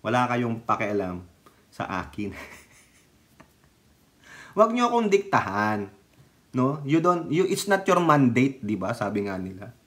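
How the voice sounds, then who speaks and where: A man's voice: mid-range voice, very animated, measured pace, long pauses, a bit bright. A man from the Philippines ranting in casual political commentary, sarcastic and mocking, often laughing and mixing in English phrases. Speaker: political vlogger.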